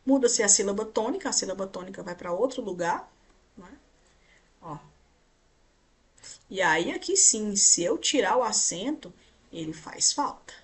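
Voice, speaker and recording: A Brazilian woman teaching a grammar class, with a husky, breathy edge to her voice. She explains step by step and points things out on the slides. She keeps checking that the class is following along. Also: mid-range voice, fairly bright tone. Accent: Brazilian Portuguese.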